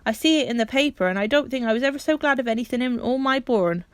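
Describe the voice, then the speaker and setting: A woman voicing a kindly working-class railway porter who talks in a homely, excited dialect. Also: fairly high pitch, fast, smooth, no room sound, pitched above the performer's own voice, close to an everyday voice. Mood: excited warmth.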